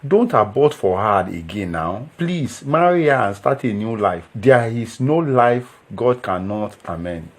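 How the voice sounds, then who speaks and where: A man's voice: on the low side, lively intonation, unhurried, few pauses. An actor playing an earnest young Christian man who preaches and pleads. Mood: preachy. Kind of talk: film drama acting.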